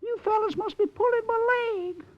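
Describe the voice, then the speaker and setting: An actor playing a simple young hillbilly in a vintage radio drama, talking slowly and puzzled. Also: male voice, extremely high pitch, highs cut off. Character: dim, gentle young male hillbilly.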